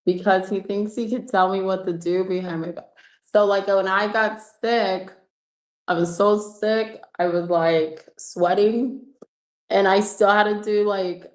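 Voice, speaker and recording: A woman's voice: medium pitch, echoey room. A woman hosting a casual tarot livestream, telling a story in a chatty way and laughing often. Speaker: tarot reader and livestream host.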